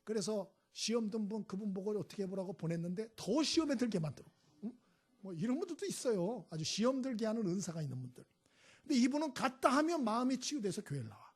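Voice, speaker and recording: Husky high-pitched male pastor preaching. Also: sing-song, quick pace, a little mellow. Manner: storytelling, prods the congregation with "예?" and "음?". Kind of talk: sermon.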